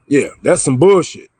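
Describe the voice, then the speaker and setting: Man, high-pitched, heated livestream rant, profane, repeats himself, dry sound. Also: a little mellow, breathy edge, dry recording. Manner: heated, profane, preachy, repeats lines for emphasis. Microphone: microphone.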